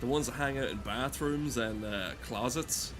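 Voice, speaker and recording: A man's voice: medium pitch, normal speed. A man giving crude, comedic, rambling commentary while playing a game, swearing often. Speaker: gamer talking over gameplay.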